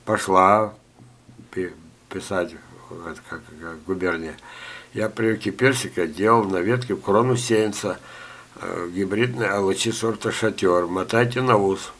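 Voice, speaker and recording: Older male gardening teacher, low-pitched, coughing, chatty with jokes. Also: fairly bright tone. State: ill, coughing. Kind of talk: screen-share talk reading viewer letters.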